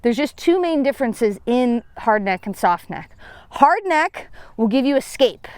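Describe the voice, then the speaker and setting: A woman's voice: a little high, sing-song, unhurried, a little mellow, clean tone, no echo. A young woman giving a chatty, upbeat gardening tutorial outdoors on a farm. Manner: chatty, self-deprecating, upbeat. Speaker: seed company gardener.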